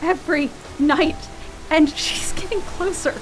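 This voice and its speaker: A woman's voice: sits high, measured pace, over music, low-quality recording. A woman acting in a radio play as an anxious, tipsy, grieving friend who is haunted by guilt, hesitant and stammering. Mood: frightened.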